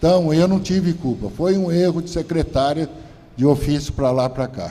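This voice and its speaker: At a moderate pace, a man with a fairly high pitch talks amid audible room echo. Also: ordinary pitch variation. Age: 60s. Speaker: city planning secretary, engineer. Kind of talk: testimony at council inquiry hearing.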